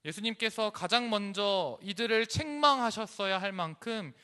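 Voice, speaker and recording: A male pastor preaching a dramatic sermon in church, rising to loud emphasis and dropping to a hush. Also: high-pitched, animated, moderate pace, smooth. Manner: dramatic, swings from loud emphasis to hushed near-whisper. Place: church sanctuary.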